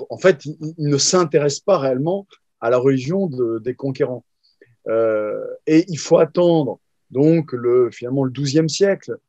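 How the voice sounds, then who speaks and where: A man, a historian guest, explaining at length in an interview with frequent pauses, fillers and restarts. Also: medium pitch, a little mellow, no echo, dull audio. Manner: hesitant, many fillers and restarts. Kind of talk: interview answers.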